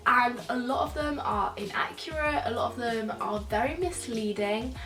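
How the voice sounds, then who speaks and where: A young nutrition student, croaky and stuffed up from a cold, reacts to videos and explains things to camera in a chatty way, leaning on fillers like "so" and "yeah". Her fairly high voice is recorded from a distance, a bit off-mic in an echoey room with soft music behind.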